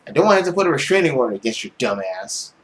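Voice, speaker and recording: Young male let's player, very lively swings in pitch, playful narration and exclamations, noisy close-mic recording. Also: racing. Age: young adult. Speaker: let's play host. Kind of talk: reading a visual novel aloud with reactions.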